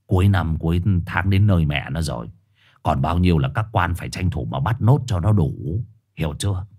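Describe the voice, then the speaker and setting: A man voicing a bossy, gruff black four-eyed street dog with a hoarse, raspy voice. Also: low voice, lively intonation, brisk, a little mellow, pitched below the performer's own voice. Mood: low, conspiratorial. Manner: growling, rough, condescending.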